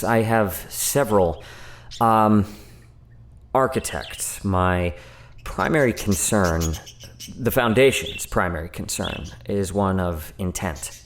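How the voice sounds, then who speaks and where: An actor playing an earnest, wary scientist from a secretive agency in an audio drama, formal and explanatory. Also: male voice, lowish voice, slight background noise.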